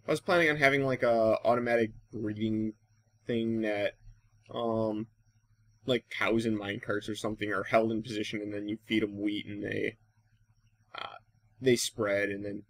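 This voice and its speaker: An American man from Wisconsin giving casual Let's Play commentary, rambling and thinking aloud as he goes. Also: lowish voice. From Wisconsin, United States. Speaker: gaming YouTuber and host.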